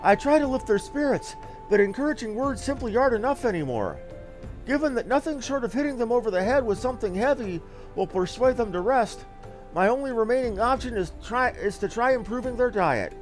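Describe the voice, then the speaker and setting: A man's voice: very high voice, animated, a little fast, soft background music, voice pushed up. A man voicing a small, flustered, bossy young lady from a video game, chatty and gushing as he reads the dialogue aloud. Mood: worried, earnest. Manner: fussy, gushing, exclaiming.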